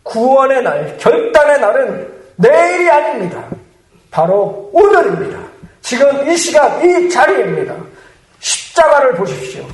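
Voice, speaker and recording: A man's voice: very high voice, sing-song, a little slow. A male pastor preaching a sermon in an earnest, emphatic manner in a church. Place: church sanctuary. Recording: echoey church hall.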